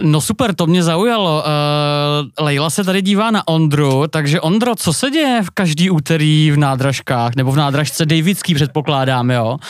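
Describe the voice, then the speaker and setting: Lively intonation from a man at a fairly high pitch, moderate pace and very even loudness, in a very clean recording with a silent background. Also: hardly any pauses. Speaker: podcast host, doctoral student. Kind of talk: casual chat. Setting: small home studio, seven people.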